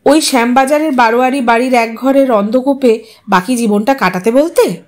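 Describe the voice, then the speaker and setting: A woman doing a haughty, high-voiced young wife. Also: moderate pace, natural voice. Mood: coaxing. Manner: coaxing, haughty, mixes English. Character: demanding stylish young wife, 30s.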